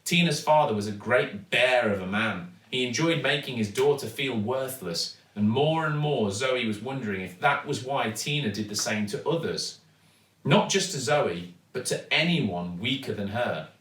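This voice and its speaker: Give me a male storyteller with a bright, dramatic delivery for children, recorded in an echoey room. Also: mid-range voice, animated. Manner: dramatic, deliberate emphasis. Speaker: actor reading a children's story. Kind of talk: expressive storybook narration. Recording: echoey room, distant microphone.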